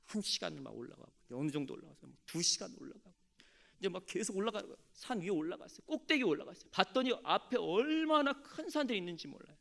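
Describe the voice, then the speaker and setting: Male pastor, high and lively voice, animated sermon storyteller. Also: fast, vocal fry. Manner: animated storytelling, calls on the congregation to respond.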